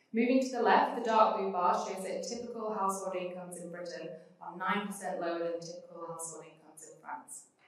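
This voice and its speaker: Strong room echo surrounds a woman speaking at a fairly quick pace, with a medium pitch and ordinary pitch variation. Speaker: policy researcher. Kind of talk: presentation. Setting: stage with audience. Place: hall.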